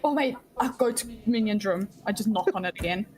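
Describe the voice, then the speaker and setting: A woman's voice: medium pitch, fairly quick, darkish tone, rough recording. A woman playing a tabletop game, talking in a chatty, rambling way and giggling often. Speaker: player. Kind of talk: casual tabletop play.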